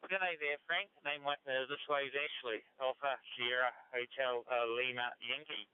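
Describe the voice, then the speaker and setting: A man's voice: mid-range voice, fairly even intonation, moderate pace, clean tone, no room sound. A man with a helpful, instructive manner chatting as an experienced amateur radio operator over a two-way digital radio. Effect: two-way digital radio transmission. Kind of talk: casual radio chat with operator jargon. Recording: dry, muffled digital radio audio.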